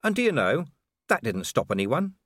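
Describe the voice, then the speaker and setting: Brief: male narrator as an angry, worn-out watch commander, audiobook; raised, lively, clipped delivery. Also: mid-range voice, moderate pace, breathy edge, no room sound, clean studio sound, voice pushed up. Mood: bitter, angry. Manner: growling, bitter, raised and forceful. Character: grim, furious middle-aged male city watch commander. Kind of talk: audiobook character reading.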